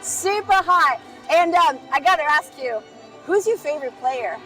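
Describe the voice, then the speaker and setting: A woman's voice: high-pitched, lively intonation. A woman with a French accent, interviewing fans at a stadium in an upbeat, eager way. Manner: bubbly, eager, quick questions. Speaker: sideline fan interviewer. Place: outdoor stadium plaza. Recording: loud music and crowd, mic at a distance.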